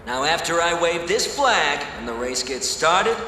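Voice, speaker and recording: High-pitched, brazen race showman, echoing. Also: sing-song, measured pace, exaggerated voice. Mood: rousing. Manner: bombastic showman patter, shouting to a crowd. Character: brazen, charming showman, emcee of illegal scooter races. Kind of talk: acted audio drama, race emcee speech. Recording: echoey, distant announcer over noisy crowd.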